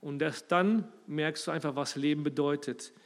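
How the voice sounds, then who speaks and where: A man delivers a sermon in a fairly high voice. He speaks with emphasis, his loudness swells and drops, and he addresses his listeners directly. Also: fairly even intonation, moderate pace. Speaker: preacher.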